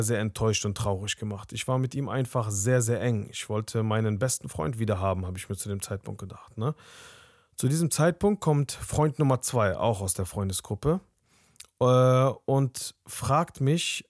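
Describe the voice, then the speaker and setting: A man's voice: mid-range voice, darkish tone, no room sound, studio quality. A young man hosting a podcast and telling a candid personal story in a conversational way, often tagging his sentences with a questioning aside. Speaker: podcast host.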